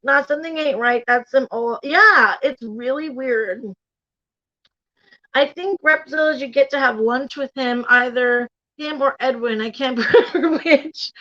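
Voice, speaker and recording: A YouTube commentary host with a high voice and sharp tone reacts casually, bluntly and profanely, laughing often throughout. Her stream is captured in slightly dull lo-fi sound.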